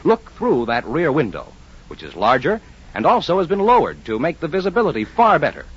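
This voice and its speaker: A man announcing on a radio quiz show, reading the rules and car ads with an eager sales delivery and a slightly husky voice. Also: a little high, huge pitch swings, a little fast. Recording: muffled old radio broadcast.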